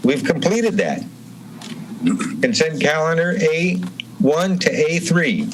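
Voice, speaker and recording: A man chairing a public meeting in formal procedural language, speaking in a halting, deliberate way. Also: a little high, sing-song, a little hiss or hum, poor audio. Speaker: commission chairman. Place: remote meeting over Zoom.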